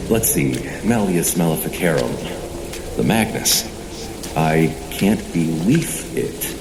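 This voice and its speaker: A man's voice: sits low, gravelly, exaggerated voice. A man playing a self-assured, erudite sorcerer in an audio drama, wry and theatrical as he talks things through to himself. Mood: curious, exasperated. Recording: echoey room with noisy ambience behind.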